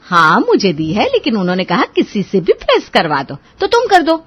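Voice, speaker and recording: Sly, grumbling eldest bride, lively pitch, voiced by a woman narrator. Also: normal speed, breathy edge, highs cut off, exaggerated voice. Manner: sly, complaining. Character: eldest daughter-in-law, lazy and scheming woman. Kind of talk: storybook character voice.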